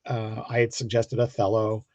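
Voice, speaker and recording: A middle-aged man from the Pittsburgh area in the United States, chatting casually as a guest and telling rambling, halting anecdotes. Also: fairly low pitch, monotone, warm tone. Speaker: guest comic book creator. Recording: dull lo-fi, roomy call audio.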